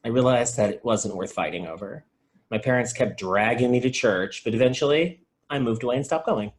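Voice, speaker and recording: A sensible young male store worker, acted by a man at a comedy table read. His mid-pitched voice is earnest and down-to-earth, with a reassuring way of speaking. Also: brisk, close to an everyday voice.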